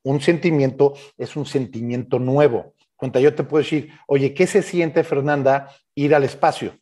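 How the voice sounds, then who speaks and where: A man's voice: medium pitch, fairly even intonation, normal speed, dark tone. A man, a coach and interview guest, explaining informally with examples and rhetorical questions.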